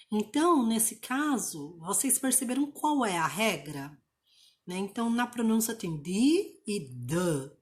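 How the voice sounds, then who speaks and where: Slow, patient female English teacher. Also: on the high side. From Brazil. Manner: patient, explanatory, repeats example words slowly. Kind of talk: online English lesson.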